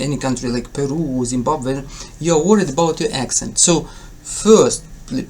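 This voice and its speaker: A man from Ukraine with a Ukrainian accent, an English test tutor talking casually to his viewers, hesitant with many fillers and self-corrections but encouraging. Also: a little high. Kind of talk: casual spoken tutorial to camera.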